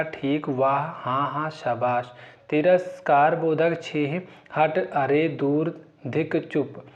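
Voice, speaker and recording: A man with a fairly high voice talks through an exam-prep grammar lesson, listing terms and examples in a steady recital and leaning on the filler "जो है". The sound is dull and lo-fi, with the top end missing. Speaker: teacher.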